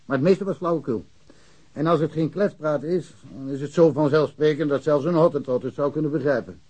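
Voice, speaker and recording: Male for a frank small-town police chief: middle-aged, soft-edged husky voice, musing radio-play delivery. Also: on the high side, a little fast. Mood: earnest. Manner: candid, musing, wry. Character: frank provincial police chief, chatty lifelong bachelor. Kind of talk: naturalistic radio drama dialogue.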